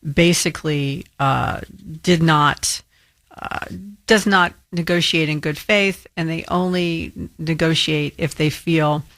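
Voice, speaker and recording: A woman's voice: low voice, fairly even intonation, takes it slowly, fairly bright tone, no echo. A woman filling in as a talk radio host, firmly rebutting a caller with frequent ums. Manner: firm and argumentative, with frequent ums.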